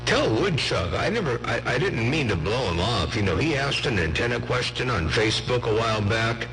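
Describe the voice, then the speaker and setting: A man's voice: mid-range voice, big pitch swings, moderate pace. A man chatting casually on a CB radio, joking and rambling in an easygoing way. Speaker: CB radio operator. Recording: noisy CB radio signal.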